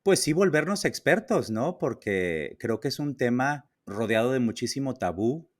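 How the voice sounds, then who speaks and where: A man's voice: medium pitch, expressive, moderate pace. A Mexican man hosting a podcast interview in a casual, hesitant way, with many fillers and restarts. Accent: Mexican Spanish. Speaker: podcast host. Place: New York.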